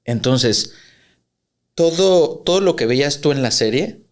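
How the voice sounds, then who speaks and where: A man co-hosting a casual podcast, explaining things haltingly with lots of fillers. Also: fairly high pitch, expressive. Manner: hesitant, filler-heavy explaining. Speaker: podcast co-host.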